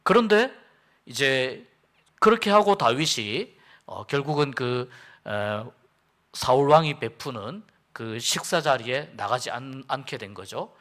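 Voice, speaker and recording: A man's voice: medium pitch, lively intonation, measured pace, a bit bright. A male pastor giving a midweek sermon in church, retelling a Bible story in plain everyday words. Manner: storytelling, explains by retelling and paraphrasing. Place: church worship service.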